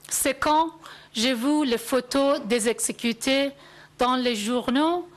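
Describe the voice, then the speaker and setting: A woman gives a solemn testimony. Her voice sits high, and she speaks slowly in deliberate, measured phrases. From Iran. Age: 40s. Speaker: activist giving testimony. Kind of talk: prepared first-person testimony.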